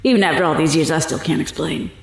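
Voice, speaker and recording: Low-voiced, sly, menacing older criminal. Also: female voice, fast, gravelly, reverberant, low-quality recording. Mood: wistful, brazen. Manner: taunting, theatrical, drawling. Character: sly, menacing older female fortune teller and accused killer. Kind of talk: audio drama acting.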